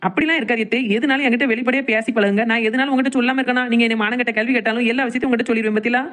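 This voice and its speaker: A woman's voice: a little high, fairly even intonation, very fast, a bit bright, natural voice. A woman voicing a cheeky, chatty young daughter-in-law in a cartoon comedy, teasing with mock innocence in a southern Tamil Nadu accent. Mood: mock-innocent. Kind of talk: cartoon comedy drama dialogue.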